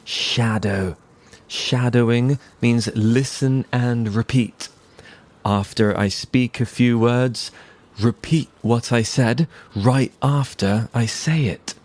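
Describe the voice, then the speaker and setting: A British man telling a story as an English teacher, with deliberate, simple phrasing and frequent pauses for learners. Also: medium pitch, darkish tone.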